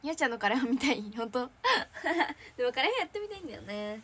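A woman's voice: sits high, sing-song, a little fast, a bit bright, slight background noise. Bubbly young woman chatting on a livestream. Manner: bubbly, chatty, frequent giggles. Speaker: idol trainee hosting a fan livestream. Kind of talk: casual livestream chat reading viewer comments.

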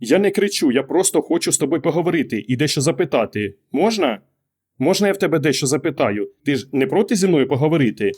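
A man's voice: on the high side, very animated, quick pace, a little mellow, slightly rough, voice pushed up. A man reading an audiobook, raising his voice to play an anxious, exasperated wife who keeps pressing her husband with questions. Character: anxious middle-aged wife, exasperated and pleading. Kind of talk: audiobook character voice.

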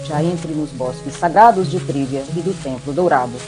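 A woman's voice: sits low, moderate pace, over music, rough recording. A woman with a Brazilian accent narrating a scripted comic story.

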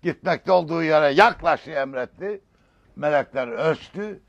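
Male religious lecturer, raised pitch, emphatic and scholarly, dry dull recording. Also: lively intonation, moderate pace, gravelly, dry recording. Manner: emphatic, rising and falling delivery; learned, old-fashioned vocabulary.

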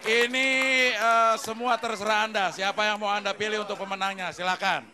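A middle-aged man whose voice sits high, with fairly even intonation and a moderate pace, hosts a stand-up comedy show, poking fun at the comics. He holds a handheld mic on a TV studio stage, with a live audience laughing loudly and music playing behind.

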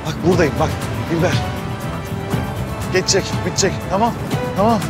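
An actor playing a doctor who urgently pleads with and calms a frightened patient in a hospital drama. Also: male voice, high-pitched, brisk, loud music behind the voice, lightly acted. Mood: soothing. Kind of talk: Arabic-dubbed hospital drama.

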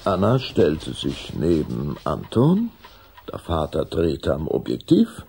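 Children's audio drama narrator, gravelly, mellow, unhurried storytelling. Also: male voice, a bass voice, huge pitch swings, slight background noise, heavily acted. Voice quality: gravelly, husky. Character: storyteller of a children's vampire tale.

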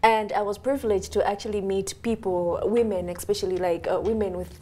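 A woman's voice: medium pitch, fairly even intonation, fairly quick, a little mellow. Earnest young woman guest from Malawi. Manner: earnest, reflective, many fillers and restarts. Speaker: guest, program coordinator. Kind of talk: studio interview. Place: small TV studio set. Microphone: lapel mic.

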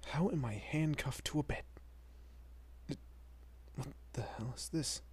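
A man playing a protective, easily bewildered young husband and father in an audio roleplay, with a husky, breathy, often whispering voice and halting, muttering delivery. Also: on the high side, lively intonation, darkish tone, full character voice. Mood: groggy, confused. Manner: halting, muttering, mild swearing.

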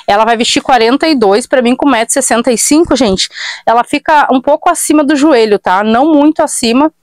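A woman's voice: high voice, a little fast, no room sound. A woman in her thirties from Brazil, chatting casually to viewers as she shows and prices used clothes in a small shop. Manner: chatty, tag questions, addresses viewers. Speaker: online thrift shop seller. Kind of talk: casual live sales pitch. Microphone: fixed camera at mid distance.

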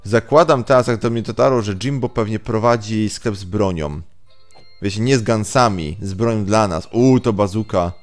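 A man with a fairly low-pitched voice, speaking at normal speed, hosts a let's play. His gameplay commentary is casual, muttered and sweary, and he slips into English at times. Game music plays behind him.

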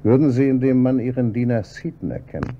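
An actor playing a calm, probing police inspector who heads homicide in a radio drama, with a dry, measured delivery. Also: male voice, mid-range voice, natural voice. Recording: dull, slightly noisy audio with hum.

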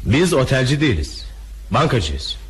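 A man's voice: medium pitch, big pitch swings, moderate pace, lightly acted. A man acting a formal, controlled and unbending banker in a crime radio drama. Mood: firm, formal. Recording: faintly noisy radio drama recording.

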